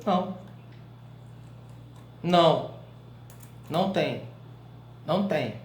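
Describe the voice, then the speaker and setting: A Brazilian man teaching a live writing class in a colloquial, animated way, often checking in with his students through short questions. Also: fairly high pitch, extremely slow, roomy sound. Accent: Brazilian Portuguese.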